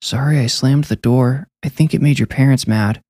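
Man voicing a shy, soft-spoken young boy. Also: mid-range voice, normal speed, no echo, voice pushed up, lightly acted. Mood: quiet, frank. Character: shy, mysterious young boy, gentle and quiet.

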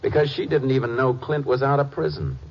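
An actor playing a steady, shrewd American lawman in a 1950s western radio drama, asking questions in a measured, courteous way. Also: medium pitch. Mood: thoughtful. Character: steady, shrewd male Texas Ranger investigator. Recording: muffled old-time radio recording.

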